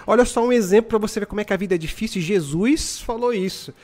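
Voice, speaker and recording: A Brazilian man in his twenties hosting a live stream, telling stories in casual, slangy, animated motivational chat. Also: sits high, fast talker. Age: 20s.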